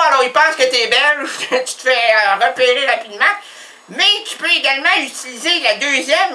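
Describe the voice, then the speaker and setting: A man's voice: very high-pitched, far from the mic. A man with a Québécois accent, hosting a comic radio show and rambling through jokes with many restarts. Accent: Québécois French. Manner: animated, does voices. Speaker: radio host. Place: radio studio.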